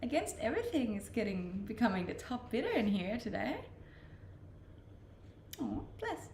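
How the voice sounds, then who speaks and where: Danish woman with a gravelly voice, livestreaming. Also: a little high, very animated, moderate pace, darkish tone, roomy sound, a little hiss or hum. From Denmark. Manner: chatty and self-deprecating, laughs often. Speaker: Twitch streamer. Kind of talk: casual live-stream chat, reading out and answering viewer comments.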